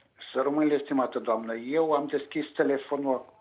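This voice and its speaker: This man speaks in a monotone, flat intonation, his pitch fairly high and his pace moderate. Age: 60s. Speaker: TV viewer caller. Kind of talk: call-in question. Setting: phone call. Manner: halting.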